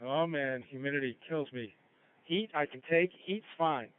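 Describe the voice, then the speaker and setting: A man's voice: a little high, moderate pace, clean tone, no room sound. A man chatting casually as a novice amateur radio operator, heard over a two-way digital radio. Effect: two-way digital radio transmission. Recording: dry, muffled digital radio audio.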